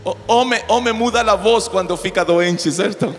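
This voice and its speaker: A male pastor with a Brazilian Portuguese accent, preaching in Spanish as a second language, with shouted declarations and joking storytelling. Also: high-pitched, measured pace. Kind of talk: charismatic preaching. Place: church hall. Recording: reverberant church hall with music.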